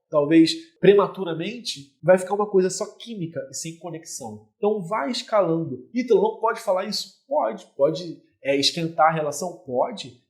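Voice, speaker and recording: Brazilian male relationship coach, fairly high voice, talks right to camera, explains through simple pictures. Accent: Brazilian Portuguese. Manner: talks straight to the viewer, explaining with everyday images. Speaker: relationship mentor. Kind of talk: direct-to-camera coaching talk.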